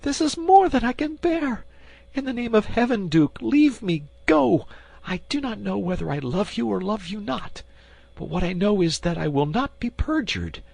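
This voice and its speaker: A man reading an audiobook, voicing an anguished noble queen in a high, trembling, pleading voice. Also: sing-song, normal speed, gravelly, darkish tone, no echo, heavily acted. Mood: desperate pleading.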